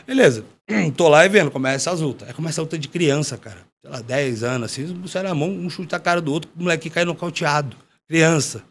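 A man, a former fighter, telling a story in casual chat, slangy and animated, acting out what others said. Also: on the high side, fast. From Brazil. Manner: animated, slangy, acts out quoted dialogue. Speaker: podcast guest, former MMA fighter.

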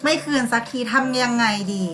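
A woman's voice: fairly high pitch, little pitch movement, normal speed, fairly bright tone. A woman teacher giving a lesson to primary school pupils, calling on them by name and acting out sample replies. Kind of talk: online class lesson.

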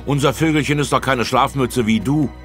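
A man's voice: mid-range voice, a little fast, fairly bright tone, faint music behind, voice pushed up, natural voice. Man doing a cheeky teasing little girl. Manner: teasing, mocking. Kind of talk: children's audiobook reading.

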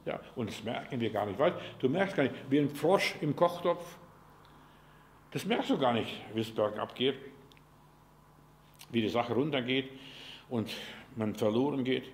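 A man preaching a sermon in a fervent, folksy way, asking rhetorical questions and swinging between loud and quiet. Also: mid-range voice, unhurried, long pauses, slight background noise. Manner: folksy and direct, speaks to the listener as "du".

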